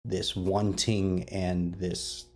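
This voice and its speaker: A man's voice: deep voice, flat delivery, drawn-out words, gravelly, darkish tone. A man hosting a roundtable interview, effusive and enthusiastic, repeating words as he searches for the next one. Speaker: podcast host interviewing creators.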